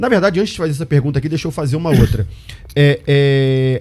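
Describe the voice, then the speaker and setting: Ordinary pitch variation marks this male speaker's delivery. The tone is dark and mellow, somewhat breathy too. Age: 40s. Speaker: pastor and podcast host. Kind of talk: interview.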